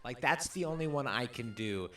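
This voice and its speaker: A man's voice: medium pitch, animated, moderate pace, sharp tone. A man co-hosting a video game let's play, talking casually in a rambling, stop-start way full of fillers. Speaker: co-host of a gaming let's play. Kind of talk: casual chat while playing a video game.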